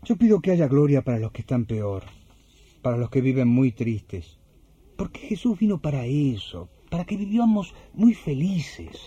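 A man acting an earnest, devout parish volunteer in a radio drama, speaking measured Rioplatense Spanish. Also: medium pitch, sing-song, dark tone, slightly rough, no echo, dull audio. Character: kind, faith-filled young parish volunteer helping pilgrims. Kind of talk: radio drama with scripture narration.

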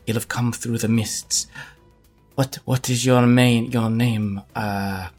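A man voicing a calm, placating woman innkeeper in a tabletop fantasy game. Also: mid-range voice, slow, faint music behind.

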